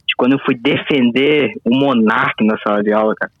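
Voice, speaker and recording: A man's voice: mid-range voice, fairly even intonation, fairly quick, dry recording, lo-fi sound. A young man in his late teens from Paraná, Brazil, calling in to a show over the phone and chatting casually, swearing freely and saying "man" constantly. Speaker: caller. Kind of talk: casual call-in chat.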